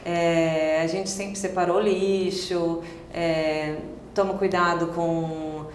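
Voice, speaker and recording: A woman's voice: lowish voice, little pitch movement, slow pace, echoey room, slight background noise. A woman restaurant owner as an interview guest, answering hesitantly and searching for words with many fillers.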